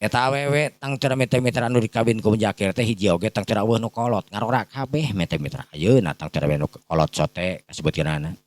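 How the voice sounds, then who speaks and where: Male Sundanese storyteller, low-pitched and dry-recorded, improvising a rambling folk tale for listeners. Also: fairly even intonation, fast, few pauses, dry recording. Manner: rambling, repetitive filler phrases.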